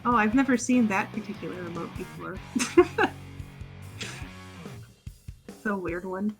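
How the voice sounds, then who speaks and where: During a casual game stream, a woman with a medium-pitched, unhurried voice patiently coaches a newcomer as an experienced player. She gives instructions and laughs often, with faint music behind.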